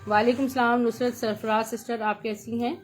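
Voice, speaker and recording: A woman with a Pakistani accent giving a live sales pitch for clothes in chatty teleshopping patter, repeating her praise and prices. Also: little pitch movement, normal speed, faint music behind. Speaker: live online clothing seller.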